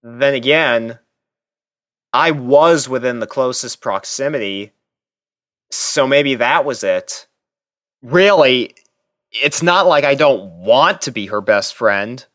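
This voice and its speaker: A man reading fan fiction as a first-person narrator, expressive and theatrical. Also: medium pitch, slow pace, pauses often, no room sound, clean studio sound.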